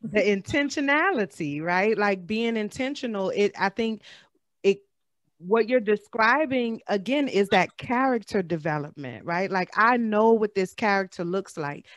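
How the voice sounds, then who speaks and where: A woman's voice: medium pitch, animated, measured pace, no room sound. Earnest woman moderating a panel, dry sound. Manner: earnest, thinks aloud with restarts. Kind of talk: panel discussion.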